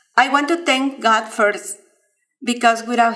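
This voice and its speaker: The woman's pitch is fairly high. She speaks at a fairly slow pace. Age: 60s. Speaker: graduate. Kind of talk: ceremony speech. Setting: virtual ceremony.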